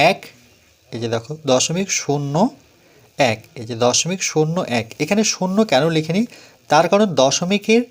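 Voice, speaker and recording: A man with a West Bengal Bengali accent, teaching a math lesson step by step and patiently counting each step aloud. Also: fairly high pitch. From West Bengal, India. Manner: patient, repeats and counts steps aloud, asks and answers own questions. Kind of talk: step-by-step classroom explanation.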